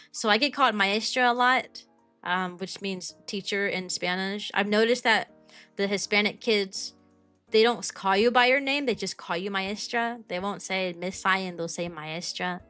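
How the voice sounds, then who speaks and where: A woman in her mid-twenties with a high, youthful-sounding voice, chatting casually with her stream viewers and rambling with lots of ums, likes and restarts. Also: bright, forceful tone. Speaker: VTuber streamer and kindergarten teacher.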